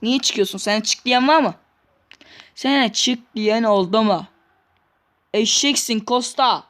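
A woman's voice: a little high, takes it slowly, fairly bright tone. A woman reacting live as she plays a football video game, scolding and exasperated with the players. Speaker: gamer.

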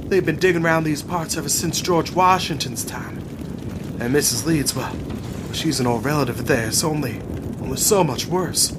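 Urgent, higher-pitched superstitious man an actor over rumble. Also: close to an everyday voice. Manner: urgent, pleading, colloquial. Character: alarmed, superstitious male companion full of dark lore. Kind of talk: audio drama acting. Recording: rumbling background noise.

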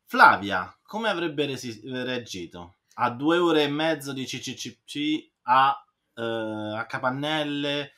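Bright-voiced man asking questions as co-host. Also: medium pitch, expressive, slow pace. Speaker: co-host interviewer. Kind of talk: casual chat, asking questions. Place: room with bookshelves. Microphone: computer mic on a video call.

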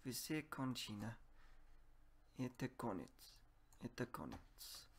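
Man, English native speaker, very slow, halting, gravelly, faint hiss, keyboard clicks. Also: medium pitch, big pitch swings. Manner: slow, halting, repeats words. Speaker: language learner. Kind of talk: halting spoken practice.

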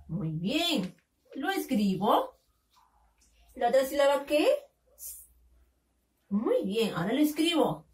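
A woman teaching a phonics lesson to young children, sounding out syllables slowly and coaxing them with questions. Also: sits high, a little mellow, distant mic. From Peru. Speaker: kindergarten teacher.

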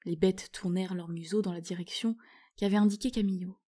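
A woman reading a children's fantasy novel aloud, her narration expressive and steady. Her voice is mellow and darker in tone. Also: medium pitch, fairly quick. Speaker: reader.

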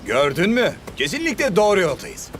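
A man's voice: sits high, huge pitch swings, moderate pace, slight background noise. A man voicing a reckless, overconfident young footballer in a cartoon dub. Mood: cocky. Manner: breezy, overconfident. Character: reckless, cocky teen footballer. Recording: studio dub with music behind.

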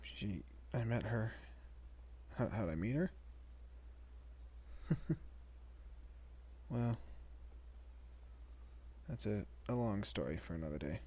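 A man playing a shy, nervous young vampire father in a romantic audio roleplay, stammering and soft-spoken, often dropping to a near-whisper. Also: fairly low pitch, animated, slow pace, pauses often. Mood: fond, hesitant.

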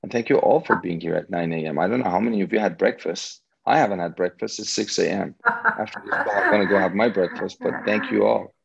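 A man whose first language is Farsi, giving an energetic, motivational talk to students as a guest speaker on a video call. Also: low voice, quick pace, vocal fry, breathy edge, highs cut off. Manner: energetic and motivational, with frequent restarts.

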